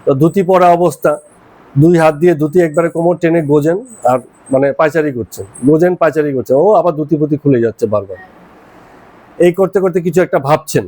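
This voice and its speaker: Guy w a slightly high voice chatting through a spiritual story, easygoing, keeps saying "all right". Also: brisk, mellow, low-quality recording. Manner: conversational, retells scenes, often adds "all right". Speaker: spiritual speaker.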